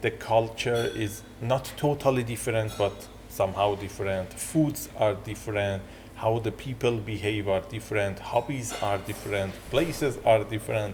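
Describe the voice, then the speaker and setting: Noticeable background noise accompanies a man with an Iranian accent who speaks at a fairly low pitch with fairly even intonation. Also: moderate pace. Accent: Iranian (Persian) accent in English. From Iran, Tehran. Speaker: university researcher and migrant. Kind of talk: interview testimony. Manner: halting, with repeated words.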